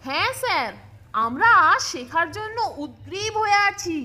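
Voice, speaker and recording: A woman's voice: very high-pitched, expressive, moderate pace, sharp tone, slight background noise, exaggerated voice. A woman voicing an eager, boastful schoolboy in a comedy cartoon, with music behind. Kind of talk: Bengali comedy cartoon dub.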